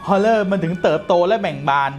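A man's voice: high-pitched, normal speed, soft background music. A man hosting a casual chat, playfully interjecting and putting questions to his guest.

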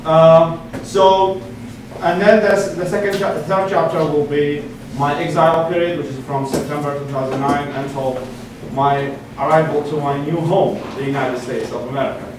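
A man's voice: on the high side, fairly even intonation, normal speed. A man in his twenties from Iraq gives an earnest talk from a podium to a seated audience, restarting phrases often. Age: 20s. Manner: earnest, with frequent restarts and fillers. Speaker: guest speaker. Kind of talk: public lecture. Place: meeting room with a seated audience. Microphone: podium mic from far camera. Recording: echoey room, distant mic, audible noise.

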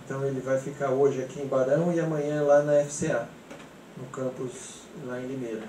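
Brazilian male host, mellow and halting, echoey seminar room. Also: medium pitch, fairly even intonation. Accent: Brazilian Portuguese. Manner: hesitant, many fillers and restarts. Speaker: event host. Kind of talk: hesitant, informal presentation moderation. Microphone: handheld mic. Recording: echoey room from a distance, faint noise.

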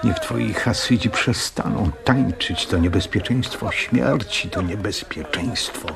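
An actor playing an anxious older Jewish innkeeper in a radio drama, pleading emphatically. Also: male voice, on the low side, measured pace, vocal fry. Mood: desperate pleading. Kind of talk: Polish radio drama acting.

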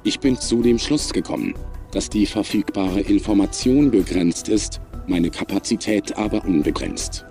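Actor as sentient computer, very low pitch, mellow dark tone, cold, emotionless, formal, sci-fi audio drama. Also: animated, moderate pace, faint music behind. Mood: cold, measured. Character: cold, calm, sentient computer intelligence turned suicidal.

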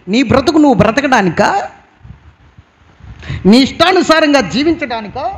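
A male pastor preaching a sermon, with repeated emphatic refrains and a rising cadence. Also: very high-pitched.

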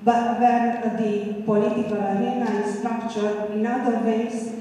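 A woman with a Hungarian accent asking a question from the floor, slow and hesitant, searching for words. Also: a little high, flat delivery, dark tone, far from the mic. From Eastern Europe. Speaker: audience member asking a question. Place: large hotel ballroom, standing among the audience. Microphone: handheld microphone. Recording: roomy hall echo from afar, faint noise.

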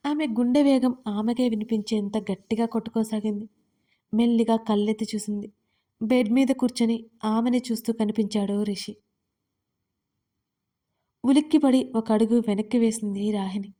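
Mellow-voiced woman narrating an audio story. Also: fairly high pitch, fairly even intonation, normal speed, pauses often.

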